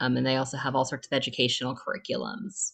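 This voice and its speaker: A woman talks at a very fast pace. Her pitch is very deep and low. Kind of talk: online lecture with Q&A. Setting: video call.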